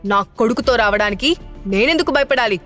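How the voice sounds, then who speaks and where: A woman's voice: a little high, fairly quick, fairly bright tone, faint music behind, lightly acted. Cold, curt young mother, voiced by a woman narrator in an audio story. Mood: cold defiant.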